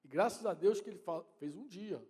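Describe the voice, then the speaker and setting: A man's voice: sits high, a little fast, dark tone, breathy edge, in a large hall. A man with a Brazilian Portuguese accent preaching a sermon in a conversational way, often addressing his congregation and his wife directly. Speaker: pastor. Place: church hall.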